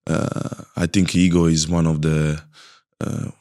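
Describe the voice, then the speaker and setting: Very deep-voiced Italian host, halting English. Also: male voice, flat delivery, warm tone. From Italy. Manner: halting, searching for English words. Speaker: podcast host. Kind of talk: interview questions.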